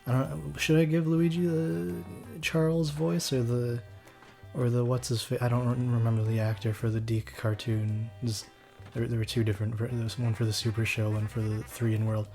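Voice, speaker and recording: A man's voice: medium pitch, level tone, normal speed, gravelly, mellow, soft background music. A man rambling casually and swearing as he records a let's play. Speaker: let's player.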